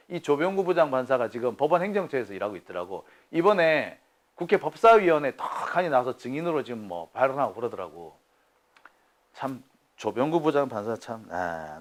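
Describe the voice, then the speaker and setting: A man hosting a casual commentary show, retelling courtroom testimony in an animated, colloquial way with exasperated asides and acted-out quotes. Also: mid-range voice. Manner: animated storytelling, acting out quoted exchanges. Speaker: host.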